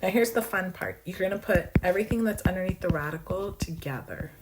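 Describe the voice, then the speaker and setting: A woman math professor losing her voice, hoarse but brisk and bubbly as she rushes through exam solutions with playful asides. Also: fairly low pitch, noisy background. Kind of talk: fast exam walkthrough.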